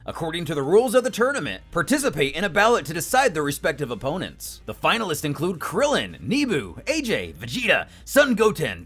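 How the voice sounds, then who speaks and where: A man giving an animated, scripted narration of a story recap. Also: high-pitched.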